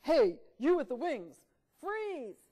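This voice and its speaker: A woman's voice: sits high, very animated, takes it slowly, full character voice. A woman voicing bossy, commanding pills on the chase in a children's storybook read-aloud. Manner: forceful, commanding. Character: bossy pills in a storybook barking orders at a runaway bug.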